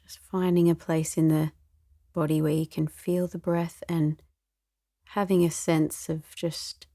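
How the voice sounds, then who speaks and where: A woman meditation teacher leading a guided meditation in a soothing, gentle, unhurried way, with a soft voice that turns breathy at times. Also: low voice, dry recording, clean studio sound.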